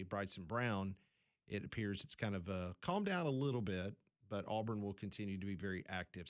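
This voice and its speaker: A man hosting a sports radio show, running through updates in a brisk, news-like way with dry sarcastic asides. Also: fairly low pitch. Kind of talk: casual sports talk radio.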